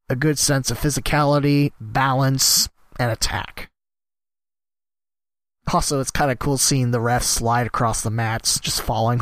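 A man, hosting a solo podcast and rambling casually about announcing gigs, his voice a bit worn from a cough and trailing off quietly at the ends of thoughts. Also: medium pitch, no echo. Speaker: podcast host and sports announcer.

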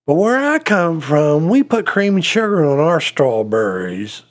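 A man's voice: fairly high pitch, sing-song, measured pace. A man voicing a cheeky little country boy with a plainspoken, folksy way.

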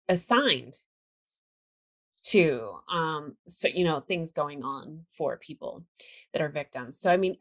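An American woman from California hosting an interview over a video call, chatty and upbeat with frequent laughter. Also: on the low side. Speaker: podcast host. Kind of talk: casual interview chat.

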